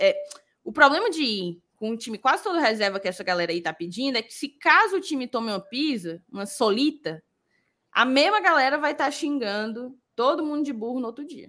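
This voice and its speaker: A woman with a Minas Gerais accent uses a raised, projected voice at a high pitch, with very wide pitch swings and big swings in loudness. Her tone is bright and sharp, her pace fairly quick, and the recording very clean with a silent background. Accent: Minas Gerais Brazilian. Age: 20s. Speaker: football fan channel co-host. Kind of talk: live stream football chat.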